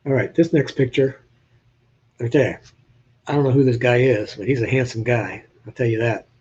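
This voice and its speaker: An older man from New Hampshire with a slight Southern drawl chats with his live-stream viewers and jokes with them. His voice is dark and a little husky. The sound is dull and slightly lo-fi. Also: medium pitch, fairly even intonation, normal speed. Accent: Southern US with New England traces. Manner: chatty, joking, talks to viewers in chat. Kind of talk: casual live-stream chat showing old photos.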